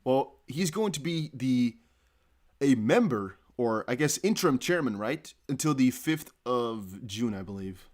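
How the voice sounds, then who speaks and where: A man's voice: medium pitch, expressive, a little slow. Rambling young man from the Netherlands. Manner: rambling, laughs often, many fillers. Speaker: crypto livestream host. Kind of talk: casual live stream chat.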